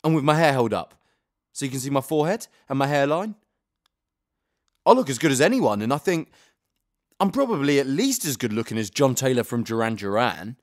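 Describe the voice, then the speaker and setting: A male actor playing a vain young man musing over his own looks in a hushed, self-absorbed way. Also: mid-range voice, expressive, a little fast, pauses often, no room sound, studio quality, natural voice. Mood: self-admiring.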